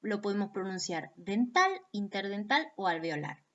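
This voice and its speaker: A woman's voice: mid-range voice, expressive, normal speed, a bit bright, dull audio. A woman from Argentina with an Argentine accent, giving a recorded phonetics lesson and patiently sounding out examples for her students. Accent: Argentine Spanish. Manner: patient, demonstrates sounds aloud, addresses students directly. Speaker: phonetics teacher. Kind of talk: recorded video lecture.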